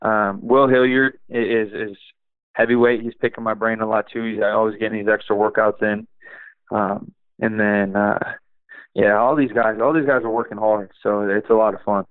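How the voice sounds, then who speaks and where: A young man, an assistant wrestling coach, talking in a relaxed, rambling way with many fillers, in a podcast interview over a phone line. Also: lowish voice, moderate pace, smooth, no echo. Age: young adult.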